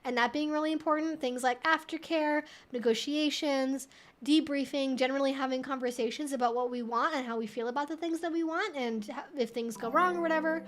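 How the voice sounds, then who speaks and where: Answering viewers' questions on a livestream, a woman reads their messages aloud and rambles chattily while thinking out loud. She speaks fairly quickly in a high voice, with slight background noise.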